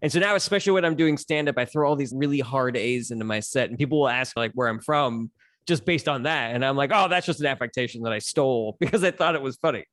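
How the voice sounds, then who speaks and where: A man's voice: mid-range voice, fast, a bit bright, dry recording, studio quality. A man in his forties from Los Angeles with an American accent, telling personal stories candidly and articulately in casual conversation as a podcast guest. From Los Angeles, United States. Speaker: podcast guest, stand-up comedian.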